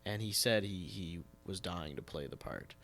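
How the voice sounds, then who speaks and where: A man hosting a podcast, chatting casually in a halting, hesitant way. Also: low voice, vocal fry, fairly bright tone, soft background music. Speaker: podcast host, theatre producer. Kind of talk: casual chat.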